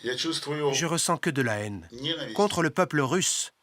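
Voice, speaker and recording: A man's voice: fairly high pitch, expressive, slow pace, crowd noise. A male dubbing artist voicing a bitter, defiant Ukrainian man in his sixties in a documentary voice-over.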